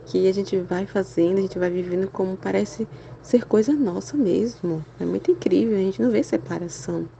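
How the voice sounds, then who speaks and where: An adult woman giving a casual spiritual talk for a Catholic channel, chatty and animated, sprinkling "né?" through her speech while feeling unwell and weary. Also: mid-range voice, moderate pace, creaky, lo-fi sound, slight background noise. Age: adult with a school-age son and husband. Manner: chatty, constant "né?" tags, animated exclamations.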